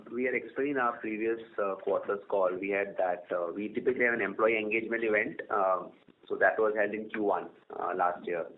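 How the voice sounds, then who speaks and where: Deep-voiced executive on noisy line. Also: male voice. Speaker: company executive answering analysts. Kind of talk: earnings call answers. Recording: noisy, narrow-band phone line.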